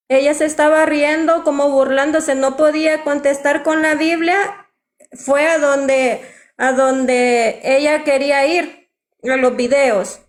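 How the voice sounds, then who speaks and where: A woman moderating a heated live online debate, firm and insistent, repeating her points. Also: high-pitched.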